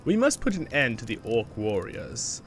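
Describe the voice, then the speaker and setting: A man's voice: mid-range voice, big pitch swings, moderate pace, a bit bright, slight background noise. A man voicing a wary woman, the wife of a camp leader, reading quest text aloud. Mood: earnest.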